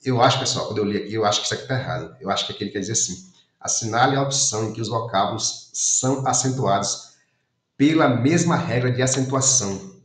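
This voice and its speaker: A man's voice: mid-range voice, fast. Methodical man walking through exam answers. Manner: methodical, reads options aloud and rules them out. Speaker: exam prep teacher. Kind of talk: commented exam walkthrough. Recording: roomy echo.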